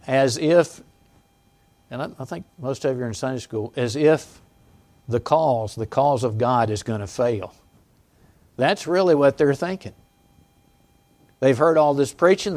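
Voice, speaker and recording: Halting conversational male pastor preaching. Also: medium pitch, a little mellow. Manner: conversational, halting with restarts and asides to the congregation; chuckles between points. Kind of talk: sermon. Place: church sanctuary.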